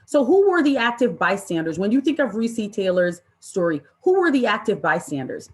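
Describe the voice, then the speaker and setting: A woman presenting an interactive online training session in an impassioned, deliberate way, with emphatic repetition and rhetorical questions. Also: medium pitch, sing-song. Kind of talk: impassioned interactive workshop talk to an online audience.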